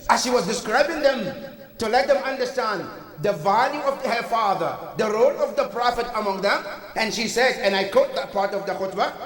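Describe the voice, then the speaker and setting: Brief: a man from Africa preaching a mosque sermon with a high voice, heard from far off in a long, ringing hall. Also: lively intonation, normal speed, fairly bright tone. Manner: earnest, preaching with rhetorical questions. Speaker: imam. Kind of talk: Friday sermon.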